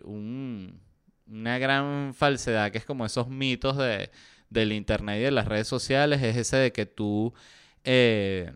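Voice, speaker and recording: A man's voice: lowish voice, fairly bright tone, clear, resonant tone. A man hosting a podcast, commenting on entertainment news in a chatty, sarcastic way with lots of fillers. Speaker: podcast host. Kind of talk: casual pop-culture news chat.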